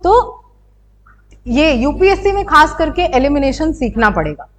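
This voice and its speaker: Young woman, high voice, a teacher working through quiz questions with students. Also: sing-song, a little slow. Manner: explanatory, asks students rhetorical questions. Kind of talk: exam-prep lecture.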